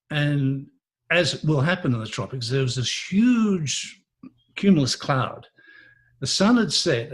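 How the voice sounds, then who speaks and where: Husky-voiced man telling his story. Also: medium pitch. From Malaysia. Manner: reflective, measured, earnest. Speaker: interview guest. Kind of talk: personal storytelling in an interview.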